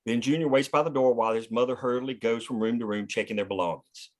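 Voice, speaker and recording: A man's voice: medium pitch, fast. A man reading scripted stage directions as the narrator of a screenplay table read.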